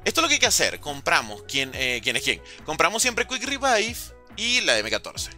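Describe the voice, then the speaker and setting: A bright, lively man streaming a zombies game, chatting with viewers and breaking into excited repeated cries of alarm. His voice is bright and animated, with faint music under it. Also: on the high side, normal speed. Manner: chatty with viewers, thanks donors. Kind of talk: live gameplay commentary, reading chat.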